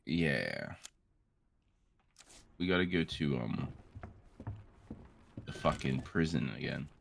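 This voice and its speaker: A man in his late twenties giving casual, joking game commentary in a crude, rambling, animated way. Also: rumbling low, takes it slowly, vocal fry. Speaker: co-host of a gaming series.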